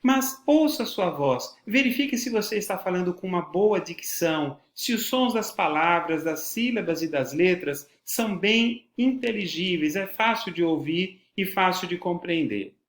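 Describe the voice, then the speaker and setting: A man's voice: high voice, expressive, moderate pace, hardly any pauses, a bit bright, roomy sound. A man with a Brazilian Portuguese accent, a teacher giving a formal, didactic lecture and stressing words for emphasis. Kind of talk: educational lecture on voice and podcasting.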